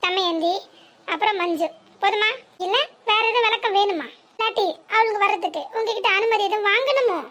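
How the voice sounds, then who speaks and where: A piercingly high, sarcastic young daughter-in-law, voiced by a woman snaps back in a cartoon comedy. Her southern Tamil Nadu accent and quarrelsome needling run through every line. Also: fairly quick, fairly bright tone.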